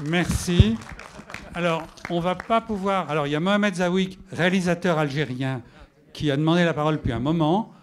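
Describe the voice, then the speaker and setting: A man moderating a public debate, brisk and organized as he hands the floor around and wraps up. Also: a little high, slight background noise. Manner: brisk, organizing, apologetic about time.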